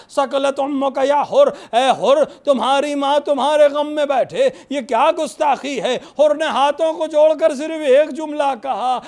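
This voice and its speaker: A male cleric with a Lucknow Urdu accent recites a Muharram majlis in an impassioned, lamenting way. His voice sits very high for a man and carries a gravelly rasp. At its peaks it breaks into shouted, anguished cries. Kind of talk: Muharram majlis sermon with dramatic recounting. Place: large hall, indoors.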